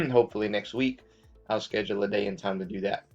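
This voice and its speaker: A man talks loosely to his viewers about stocks, filling the gaps with "um" and "uh" and often asking "okay?" His voice sits a little low. The audio is dull and lo-fi, with faint music underneath. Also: fast, creaky. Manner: loose and chatty, many fillers, checks in with "okay?". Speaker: finance channel host. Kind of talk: casual market commentary to viewers.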